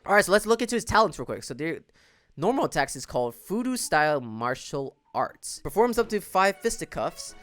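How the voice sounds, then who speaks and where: A man's voice: fairly high pitch, big pitch swings, brisk, a bit bright, soft background music. A young man with a sick throat gives casual, slangy gaming reaction commentary in a laid-back way. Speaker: reaction video host.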